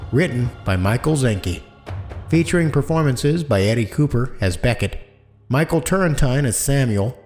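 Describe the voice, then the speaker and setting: A man with a mid-pitched voice hosts a podcast outro over faint music. His scripted delivery is animated, rising and falling widely as he works through his announcements. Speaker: podcast host and audio engineer reading closing credits.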